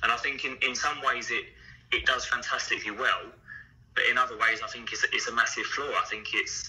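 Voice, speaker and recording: A man speaks at a fairly quick pace with an English accent, over noticeable background noise. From England, Essex. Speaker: former professional footballer. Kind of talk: interview. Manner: halting, repeats words.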